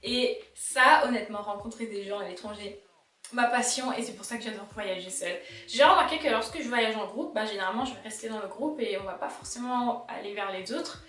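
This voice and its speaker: A young woman with an Alsatian accent, chatting casually to camera as a vlogger, animated and talking straight to her viewers. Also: a little high, fairly quick, far from the mic. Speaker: illustrator vlogger. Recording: roomy sound, mic set back.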